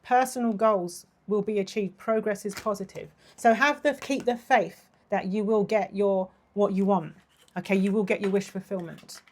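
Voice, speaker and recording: A woman's voice: mid-range voice, steady tone, normal speed, darkish tone. Woman losing her voice, doing a tarot reading. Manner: gushing, affectionate, with frequent laughs. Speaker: tarot reader. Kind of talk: casual tarot reading to camera.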